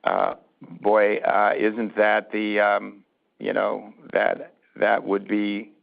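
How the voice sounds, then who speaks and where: A man answering questions as a company executive on an earnings call, speaking in a halting, deliberate way with restarted phrases. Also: lowish voice, completely flat delivery, gravelly. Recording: muffled narrowband phone conference line.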